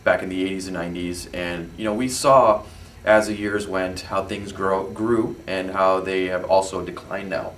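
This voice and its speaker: Low-voiced guy running for alderman, lots of "you know", echoey and kinda far from mic. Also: fairly even intonation, normal speed, fairly bright tone, a little hiss or hum. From Chicago. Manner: earnest, peppered with "you know". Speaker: candidate for city alderman. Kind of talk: interview answers.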